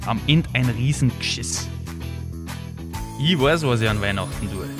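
A man at medium pitch with a Bavarian accent and lively intonation, clear music in the background. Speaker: comedian. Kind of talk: comedic monologue. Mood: grumpy satirical rant. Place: market.

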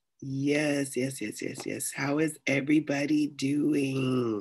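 Over music in the background, a woman with a very deep, low pitch speaks at a very slow pace. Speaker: ministry leader hosting an online session. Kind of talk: casual opening chat before a teaching. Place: home room. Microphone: video call.

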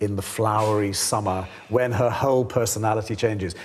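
A man speaks with a fairly low pitch and ordinary pitch variation. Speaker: theatre director, presenter. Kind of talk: presenting and interview chat. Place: stage.

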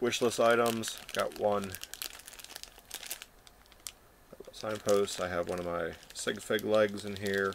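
Over light background noise, a man speaks at a fairly slow pace with fairly even intonation. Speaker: hobby vlogger. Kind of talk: casual vlog chat. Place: home room. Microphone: webcam.

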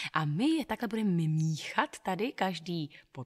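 The recording is very clean, with a silent background. A woman speaks in an animated tone at a fairly low pitch and a moderate pace. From Czech Republic, Moravia (Náměšť nad Oslavou). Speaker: stage actress, podcast co-host. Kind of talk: casual chat.

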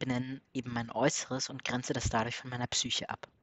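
A man talks at a fairly quick pace and medium pitch. He has an ordinary speaking voice. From southwestern Germany. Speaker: podcast co-host. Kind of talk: casual chat.

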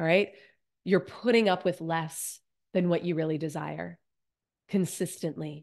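An animated tone with vocal fry, a fairly slow pace and long, frequent pauses, over a quiet background. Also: woman, fairly low pitch for a woman. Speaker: business coach. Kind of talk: live online masterclass. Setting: video call.

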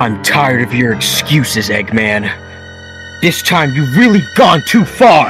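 A woman does a cartoonish character voice at an extremely low pitch, with a fairly bright tone, lively intonation and a slow pace, in a room with audible echo and faint music behind her.

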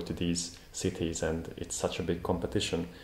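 With audible room echo around him, a man with a very deep, low pitch talks at a moderate pace in a Hungarian accent. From Hungary. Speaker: classical guitarist and musician; interview guest. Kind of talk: interview conversation. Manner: halting, with many repeated words and fillers. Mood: relaxed, friendly. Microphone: earbuds.

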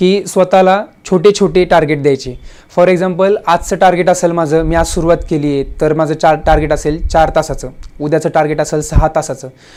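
Using a normal speaking voice, a man talks in a fairly high pitch with fairly even intonation. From India, Pune (Maharashtra). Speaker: police sub-inspector sharing exam journey. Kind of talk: informal talk to exam aspirants.

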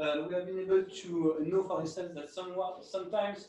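In a French accent, a man with a high pitch and ordinary pitch variation speaks at a moderate pace, with audible room echo and light background noise. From France. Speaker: software developer; conference speaker. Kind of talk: conference talk. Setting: stage with audience. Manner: halting. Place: hall.

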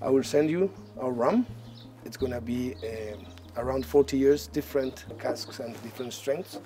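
The speaker has a Spanish accent and lively intonation, with big swings in loudness. Noticeable background noise runs underneath. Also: man, medium pitch for a man, moderate pace. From Colombia. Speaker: rum master blender. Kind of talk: casual chat.

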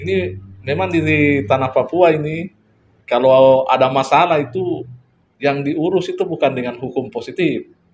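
The voice is somewhat breathy, with lively intonation. Light background noise can be heard. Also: man, moderate pace. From Talaud Islands, North Sulawesi (Lirung); North Sulawesi. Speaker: university dean and community association leader. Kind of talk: casual interview chat. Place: home room. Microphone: camera far.

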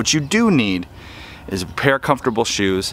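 A man talks at a moderate pace with very wide pitch swings, in a dry recording with no echo and light background noise. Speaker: homesteading vlogger. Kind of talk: casual vlog chat. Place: open country. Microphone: phone near.

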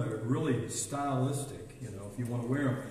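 A man with fairly even intonation, in strong room echo. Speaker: pastor. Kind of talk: church announcements. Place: church. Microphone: camera far.

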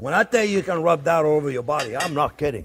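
A man's somewhat breathy voice. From France. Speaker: chef. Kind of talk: cooking tutorial. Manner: animated. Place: kitchen.

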